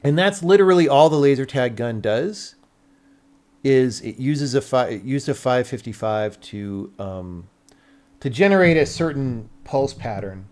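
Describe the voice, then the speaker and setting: In an easygoing livestream, an American man explains tech by thinking aloud and drifting from point to point, his words informal and now and then a little profane. His medium-pitched voice is expressive and slightly mellow, and he keeps a measured pace.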